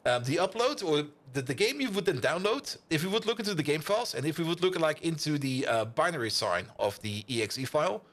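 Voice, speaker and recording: A man live-streaming a game and chatting casually with viewers, rambling excitably and repeating his words. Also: a little high, fairly quick, hardly any pauses. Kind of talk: casual chat with viewers while gaming.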